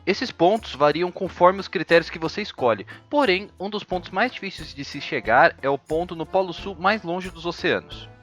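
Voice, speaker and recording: A man's voice: high-pitched, lively intonation, normal speed, hardly any pauses, a bit bright, faint music behind. A man hosting a history video, narrating from a script with ironic, jokey asides.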